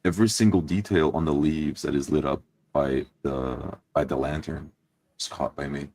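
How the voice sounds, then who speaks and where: A man playing a tabletop roleplay game, describing his character's actions in the first person, deliberate and descriptive. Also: very deep voice, steady tone, darkish tone.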